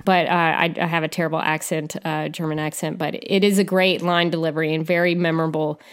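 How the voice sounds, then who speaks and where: A woman's voice: deep voice, little pitch movement, quick pace, smooth. A woman co-hosting a podcast, talking casually about a movie with many restarts and fillers. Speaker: podcast co-host. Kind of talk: casual film discussion.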